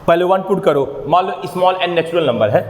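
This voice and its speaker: A man's voice: on the high side, animated, a little fast. A man teaching a maths class, explaining step by step and often questioning his students, with motivational asides. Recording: echoey room, long reverb.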